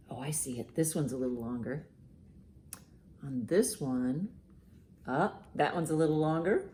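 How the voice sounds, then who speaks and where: Very animated low-voiced woman reading to children. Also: slight background noise. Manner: expressive, simple explanatory delivery aimed at young children. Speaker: children's librarian, storytime host. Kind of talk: children's storytime, reading a picture book aloud and commenting.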